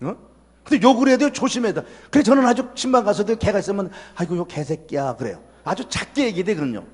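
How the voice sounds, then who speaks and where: A middle-aged man delivers a revival sermon in a church sanctuary, his voice sitting notably high. He talks in a folksy, emphatic way, pressing the congregation with rhetorical questions. The room carries a long reverb tail. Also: big pitch swings, quick pace, a little mellow, husky. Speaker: pastor.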